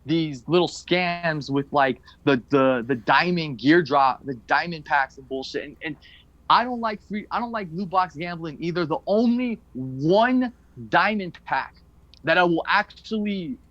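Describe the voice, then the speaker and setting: A man's voice: on the high side, expressive, unhurried, fairly bright tone, no echo, lo-fi sound. A man hosting a podcast, talking casually in a rambling, loose way with fillers and the odd swear word. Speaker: podcast host.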